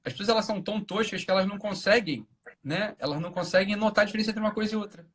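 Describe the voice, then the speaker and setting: A man with a Brazilian Portuguese accent hosts a casual live-stream talk. He speaks in a rapid, slightly high, husky voice, and now and then he breaks into silly acted voices to make his point. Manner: animated, acts out silly voices mid-explanation. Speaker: host.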